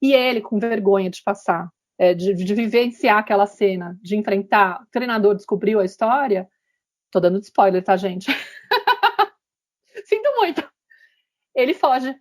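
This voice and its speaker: A woman hosting a podcast, retelling a story in a lively, animated way and acting out the quotes. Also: medium pitch. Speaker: podcast host. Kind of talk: casual podcast chat.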